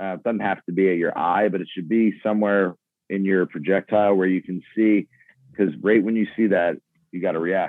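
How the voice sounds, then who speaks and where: With an American accent, this is a normal speaking voice with fairly even intonation. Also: man, fairly low pitch for a man. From Baltimore, US. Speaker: lacrosse goalie.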